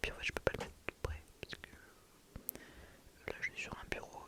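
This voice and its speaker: Whispering in a relaxed tone, a woman is heard over noticeable background noise. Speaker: ASMR creator. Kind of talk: casual talk to camera. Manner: soft-spoken, relaxed, chatty.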